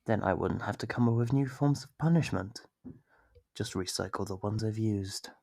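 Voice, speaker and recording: Scheming and cruel, a monster played by a man teases his captive victim with mock politeness in an ASMR horror roleplay. The voice is lowish, a little mellow, gravelly and husky with a whispery edge, at a moderate pace. He's recorded close to a dry microphone with no echo.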